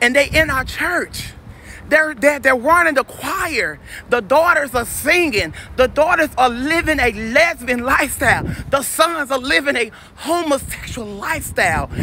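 Raised and projected, a man's voice at an extremely high pitch for a man carries an animated tone, ordinary pitch variation and a fairly slow pace, with a dry sound, no echo, and light background noise. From US. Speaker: livestreamer giving a testimony. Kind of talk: testimony. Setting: outdoors. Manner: loud, animated. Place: street. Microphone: phone near.

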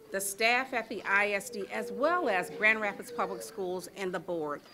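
Speaking at a moderate speed, a woman is heard with noticeable noise behind her. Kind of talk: ceremonial speech. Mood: warm, grateful. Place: hall. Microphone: podium.

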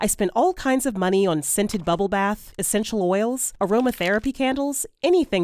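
A woman with an ordinary speaking voice, medium pitch and lively intonation at a moderate pace, on a very clean recording with a silent background. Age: 30s. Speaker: personal finance video essayist. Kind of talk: scripted narration.

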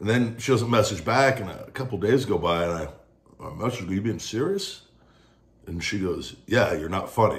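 A somewhat breathy man's voice, fairly low in pitch. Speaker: vlogger. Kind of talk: casual vlog chat. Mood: amused, storytelling. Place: home room. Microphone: phone near.

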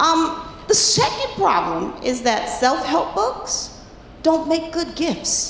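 A woman with an extremely high voice speaks at a very slow pace with very wide pitch swings. Light background noise and audible room echo are present. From New York City. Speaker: stand-up comedian. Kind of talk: stand-up comedy set to a live audience, with jokes and crowd work. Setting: stage with audience. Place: stage. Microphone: handheld.

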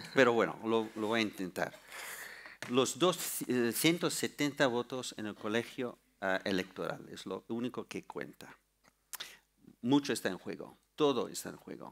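A man with an English accent speaks at a very slow pace with lively intonation. His loudness swings widely over a quiet background. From United States. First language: English (speaking Spanish). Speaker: former ambassador; guest. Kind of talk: panel discussion. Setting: stage with audience. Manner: halting. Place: stage. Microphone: headset.

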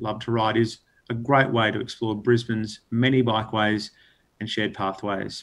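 At a moderate pace, a man with an Australian accent speaks in a medium pitch. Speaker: city councillor. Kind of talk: council debate speech. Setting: council chamber. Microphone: video call.

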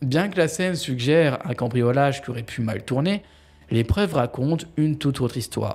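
Somewhat breathy and dramatic in tone, a man speaks at a moderate pace. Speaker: true crime narrator. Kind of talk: true-crime narration, scripted storytelling. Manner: grave, measured, dramatic. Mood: serious, calm. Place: home room. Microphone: studio mic.

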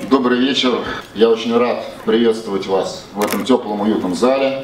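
A man speaks at a moderate pace. Audible room echo and light background noise surround him. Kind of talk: premiere welcome speech. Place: hall.

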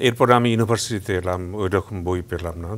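This man talks with a very deep, low pitch and ordinary pitch variation. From Bangladesh, Kushtia district; Bangladesh. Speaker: writer and broadcaster; guest. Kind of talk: talk show interview. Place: studio. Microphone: lapel.

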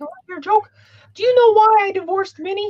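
This put-on character voice is extremely high in pitch and delivered at a very fast pace. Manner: joking, cartoonish.

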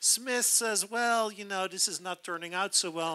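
This man projects a raised voice with a bright, sharp tone, high in pitch, using ordinary pitch variation at a moderate pace. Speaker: conference attendee, academic; audience member. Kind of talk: audience question. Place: hall. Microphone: handheld.

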